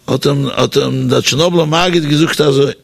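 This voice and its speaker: A man telling a Hasidic story as a sermon. He tells it in an animated way, changing his pitch for the people in the story, and often hesitates, repeating words and filling pauses. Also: vocal fry, slightly rough.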